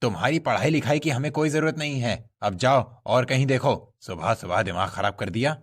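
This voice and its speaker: A man voicing a gruff shopkeeper in a cartoon, brushing off a job seeker in an irritated way. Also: mid-range voice, a little fast, close to an everyday voice. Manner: dismissive, irritated.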